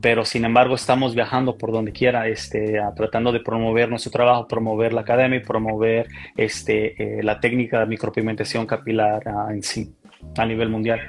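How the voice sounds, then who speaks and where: Mexican-accented male guest, gravelly, halting, heard over a video call. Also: on the low side, monotone, soft background music. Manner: hesitant, many fillers and restarts. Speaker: interview guest, micropigmentation artist. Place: small indoor room.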